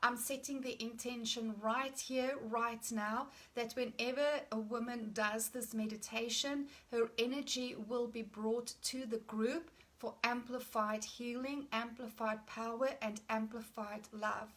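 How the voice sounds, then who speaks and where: A woman leading a guided healing meditation for an online group, speaking in an earnest, deliberate way and stressing key phrases. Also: on the high side, steady tone, a bit bright. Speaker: meditation leader.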